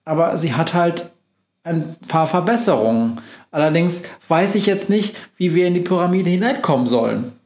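A bustling, secretive old witch from a storybook, voiced by a man in a lifted, lively tone. She hurries her friends along and keeps her plans to herself. The room around her rings with echo. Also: a little high, normal speed, voice pushed up. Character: cheerful old female witch, bossy and secretive.

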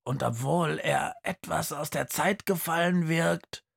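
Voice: mid-range voice, a little slow, gravelly, slightly rough, voice pushed up, heavily acted. A narrator voicing an invisible, headless professor creature in a trench coat, lecturing a class a bit hesitantly in an audiobook. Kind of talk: audiobook character voice.

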